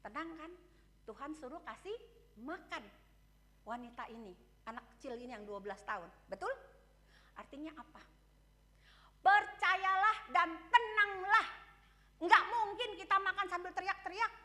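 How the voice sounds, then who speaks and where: An Indonesian woman pastor preaches a candid, conversational sermon, sharing personal stories and often questioning the congregation with frequent "ya" and "betul?" Her voice is high, pushed and bright, with big pitch swings at a normal speed.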